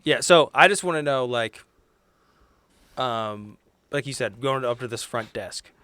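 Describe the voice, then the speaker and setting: A man chatting casually as a player in a tabletop game, with hesitant, halting phrasing. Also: medium pitch, lively intonation, bright, forceful tone, no echo. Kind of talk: casual chat.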